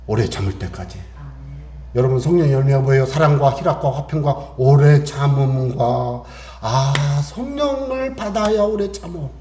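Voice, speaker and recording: A man's voice: on the high side, a little mellow, echoey room. A man preaching a sermon as a pastor, emphatic and repetitive, firing rhetorical questions at the congregation.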